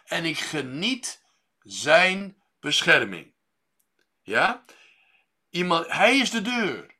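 Bright-voiced preacher, measured and pausing. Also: male voice, a little high, very animated, breathy edge. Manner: measured, pausing with fillers and restarts. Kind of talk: sermon.

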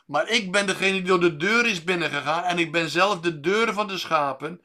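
A man preaching a sermon, measured and pausing often with fillers and restarts, lifting his voice on key words. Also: sits high, sharp tone.

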